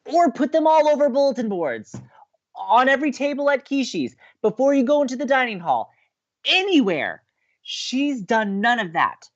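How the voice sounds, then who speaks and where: An earnest, dramatic young male campus radio host, played by a man in a romantic comedy audio drama. His delivery is very animated and emphatic, easily indignant. The sound is a little muffled. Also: very high-pitched, moderate pace, full character voice. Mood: insistent, agitated.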